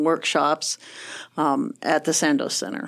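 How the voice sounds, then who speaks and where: A woman with an American accent, fairly low-pitched, at a moderate pace, on a very clean recording with a silent background. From Nebraska (Kearney). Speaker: college grounds supervisor, horticulturist. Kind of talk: interview.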